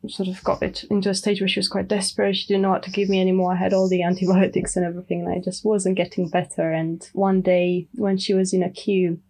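A woman from Romania, a medical herbalist guest speaking softly and thoughtfully in a podcast interview. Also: mid-range voice, completely flat delivery, fast talker, few pauses, rough recording. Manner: soft-spoken, thoughtful, many you knows. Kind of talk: casual interview.

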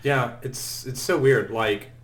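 A man's voice: mid-range voice, slow pace, fairly bright tone. A man whose first language is Norwegian, a game developer guest on a casual podcast, talking freely and saying "like" a lot. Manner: chatty, peppered with "like". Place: Texas.

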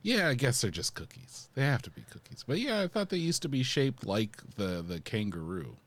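Brief: male co-host, lively pitch, easygoing chat, dry close sound. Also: normal speed, dry recording. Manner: easygoing, hesitant fillers. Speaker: podcast co-host and editor. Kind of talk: casual podcast chat.

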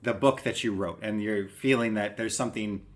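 A man's voice: lowish voice, normal speed. A man hosting a podcast interview, greeting his guest and asking friendly, rambling questions. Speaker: podcast host.

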